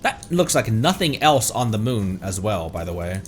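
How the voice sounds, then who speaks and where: A man's voice: fairly low pitch, sing-song, normal speed, slight background noise. A man giving casual live game commentary as a streamer, thinking aloud in stammering bursts. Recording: game music behind the voice. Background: video game music.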